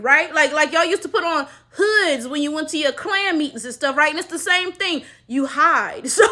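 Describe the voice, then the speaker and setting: A woman's voice: high-pitched, sharp tone. A woman from the United States giving opinionated, casual commentary in an emphatic, slangy, sardonic manner, often punctuated with rhetorical check-in questions. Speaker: social commentary video host.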